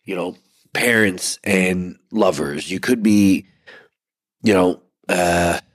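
A congested man in his forties co-hosting a casual couple's podcast, energetic and restarting words as he goes. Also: deep voice, slow, no echo, clean studio sound. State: congested, stuffed-up voice. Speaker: podcast co-host.

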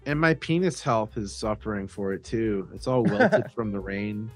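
A man's voice: fairly low pitch, normal speed, soft background music. A man co-hosting a podcast in loose, casual chat, swearing freely and joking crudely. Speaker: podcast co-host.

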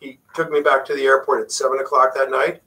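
A man's voice: mid-range voice, quick pace, far from the mic, poor audio. A middle-aged man from Puerto Rico whose first language is Spanish, a facial plastic surgeon chatting casually as a guest. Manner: relaxed, chatty, frequent fillers. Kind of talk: casual interview chat.

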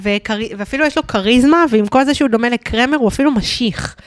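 Higher-voiced Israeli woman, halting delivery. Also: no echo, studio quality. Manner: halting, repeats words as she thinks. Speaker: podcast co-host. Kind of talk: casual chat recapping a reality show.

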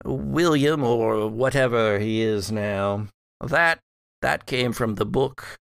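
A man playing a wry, scheming, scholarly old ancestor back from death in a tabletop horror game, speaking haltingly and formally. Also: medium pitch, vocal fry, a bit bright, clear, resonant tone, no room sound, studio quality. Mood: pondering, scheming. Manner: halting, deliberate, formal phrasing. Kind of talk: improvised tabletop horror roleplay.

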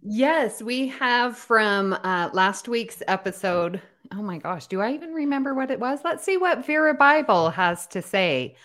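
A woman co-hosting a live podcast, reading listener comments aloud with a lively, easily amused manner. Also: a little high, a little slow, hardly any pauses. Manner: animated, reads comments aloud, laughs easily. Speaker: podcast co-host. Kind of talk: casual live podcast chat.

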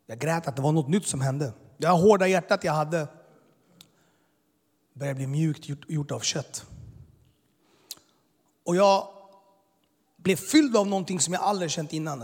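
A slightly high, husky male voice, caught with a long hall reverb. He tells his personal testimony with earnest intensity, pressing through his story in plain, unpolished words. He is a man in his thirties. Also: long pauses. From immigrated to Sweden as a boy. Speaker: speaker giving his testimony.

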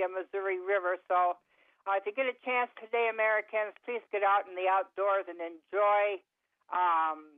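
A woman's voice: mid-range voice, no echo. Ask for a woman radio caller on a tinny phone line. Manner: chatty, then heated political ranting. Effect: caller heard over a phone line. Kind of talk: call-in talk radio.

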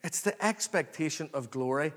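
A man preaching an expository sermon to a congregation, earnest, excited and emphatic, repeating phrases and calling for response. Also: fairly high pitch, moderate pace. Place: large reverberant room, live before a congregation. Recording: long hall reverb.

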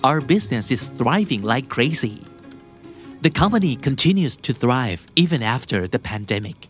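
A young man hosting a casual podcast lesson, chatty and patient, reading out English example sentences slowly. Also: mid-range voice, very animated, a bit bright, soft background music. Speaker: podcast host teaching English vocabulary.

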